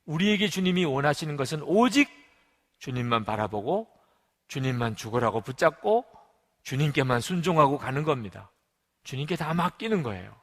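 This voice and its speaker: A man preaching a sermon as pastor, telling a story and moving between raised, forceful lines and quiet, hushed ones. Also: a little high, very animated, moderate pace, long reverb tail. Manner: storytelling with acted quotes, swings between loud and hushed. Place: church sanctuary.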